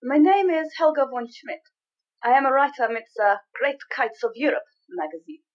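Sinister female spy in a radio drama, clipped and haughty, slightly high voice, played by a woman. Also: animated, moderate pace, dull audio. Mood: smooth, scheming. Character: scheming female German spy posing as journalist. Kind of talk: audio drama acting.

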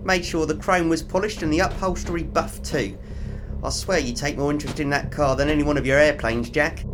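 A man's voice: fairly high pitch, fairly even intonation, fairly quick, background noise, natural voice. A man playing a cheeky, chatty working-class mechanic, in an audio drama.

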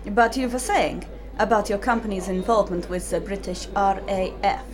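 A woman's voice: medium pitch, normal speed, crowd noise, natural voice. A woman playing a haughty, menacing female spy, in an audio drama. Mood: smooth, scheming. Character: scheming female German spy posing as journalist.

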